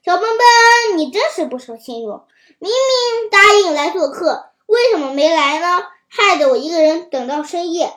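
A woman's voice: sits high, lively intonation, a little slow. A woman reading a storybook who voices a sly, scheming old male lion with a wheedling, fake-friendly manner. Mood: mock-angry. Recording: roomy echo.

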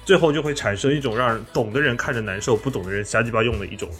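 A man's voice: medium pitch, racing, a bit bright, faint music behind. A man talking casually on a podcast in a blunt, joking manner. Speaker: podcast host. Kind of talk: casual chat.

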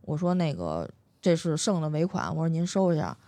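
Middle-aged beijing woman chatting on a podcast, rattles along quick, lowish voice, dry sound. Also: no echo. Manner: animated storytelling, acts out quoted speech. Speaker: podcast guest. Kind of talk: casual chat.

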